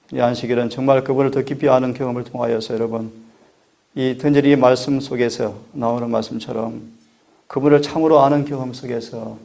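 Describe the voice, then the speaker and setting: A middle-aged man delivers a sermon as a pastor, speaking in an earnest, measured way. His voice sits at an ordinary pitch with a gravelly edge. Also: mellow. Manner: earnest, measured preaching with prayer requests.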